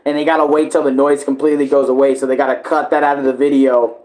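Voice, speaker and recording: A man's voice: mid-range voice, level tone, fast, darkish tone. A man giving casual, rambling reaction commentary as host, slangy and loose with swearing.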